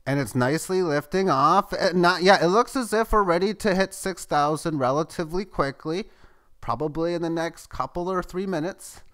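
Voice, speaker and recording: A man giving live, tick-by-tick commentary on a price chart as the host of his channel, growing excitable at key moments. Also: normal speed. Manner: running play-by-play, excitable at highs. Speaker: market chart analyst.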